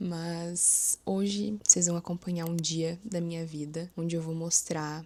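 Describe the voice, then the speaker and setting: Soft-spoken woman with a fairly low, dark and mellow voice and fairly even intonation. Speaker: lifestyle vlogger. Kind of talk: vlog talk to camera.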